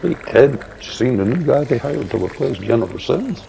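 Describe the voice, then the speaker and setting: A man's voice: medium pitch, sing-song, normal speed, mellow. An actor playing a principled, defiant male reporter in an audio drama, earnest and insistent in his delivery. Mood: confiding. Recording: clearly noisy background, hobby recording.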